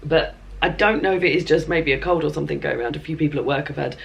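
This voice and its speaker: A hoarse woman with a chesty cough, chatting casually to camera in a rambling reading vlog from her bed at home, with plenty of ums and throat clearing. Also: sits low, fast talker. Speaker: book vlogger.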